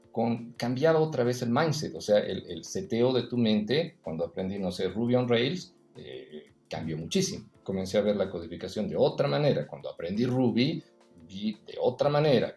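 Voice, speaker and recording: A man's voice: lowish voice, darkish tone, reverberant. A man, a podcast guest, talking reflectively in a casual interview, telling personal stories and often adding "eh" and a tag question. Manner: reflective, storytelling, frequent "eh" and tag "¿no?".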